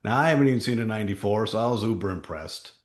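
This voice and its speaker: A man with a deep, low voice leads a town hall talk as a company chief. He tells anecdotes in short, emphatic bursts. The sound carries a roomy echo. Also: lively intonation, rapid-fire. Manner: emphatic storyteller, punchy short phrases.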